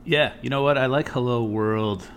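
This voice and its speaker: A man's voice: mid-range voice, normal speed, a bit bright, slight background noise. A man co-hosting a casual podcast, telling rambling work stories with swearing and frequent "right?" asides. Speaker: podcast co-host.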